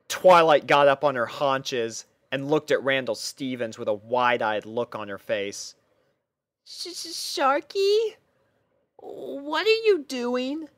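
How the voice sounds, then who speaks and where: A man's voice: medium pitch, fairly bright tone, no room sound, studio quality. A man narrating a scripted fan fiction story as a reader.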